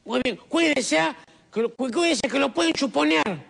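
A man's voice: very high-pitched, lively intonation, moderate pace, creaky, a bit bright. A man making a comic prank phone call, wheedling and scheming, calling everyone brother. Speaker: prank caller.

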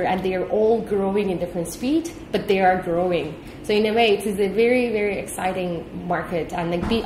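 A woman's voice: mid-range voice, a little mellow, echoey room, slight background noise, poor audio. A woman from Turkey, a company executive, answering interview questions thoughtfully and sometimes repeating words as she thinks. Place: office meeting room.

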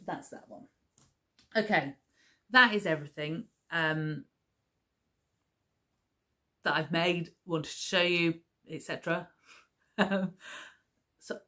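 A woman in her thirties, a crafting vlogger, sits on the sofa in her living room chatting casually to a camera at table distance. Her voice is deep, with a bright, forceful tone, and she rambles with lots of ums and restarts.

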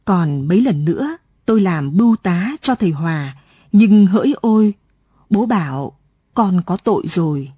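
Woman, late-night radio story reading, calm, measured, husky, dry studio. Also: on the low side, no room sound.

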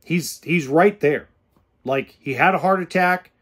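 A man's voice: a little high, measured pace, fairly bright tone, husky. Man in his forties, podcast host, blunt earnest straight talk, slightly raised voice, close studio mic. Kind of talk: casual direct-to-camera talk. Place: indoors in an RV or home kitchen. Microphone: studio mic with pop filter close in front.

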